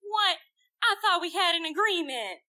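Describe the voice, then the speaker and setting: A woman's voice: very high-pitched, animated, normal speed, pushed and bright, full character voice. Woman playing an earnest young female adventurer. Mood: dismayed. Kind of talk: audio drama character acting.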